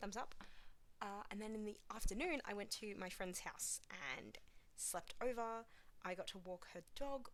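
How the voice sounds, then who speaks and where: The speaker has an Australian accent. The pace is fairly slow, with ordinary pitch variation. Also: woman, fairly high pitch for a woman. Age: 20s. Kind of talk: casual talk to camera.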